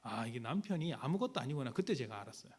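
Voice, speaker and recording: A man's voice: medium pitch, sing-song, quick pace, breathy edge. A man pastor preaching a sermon in a conversational storytelling way, full of rhetorical questions.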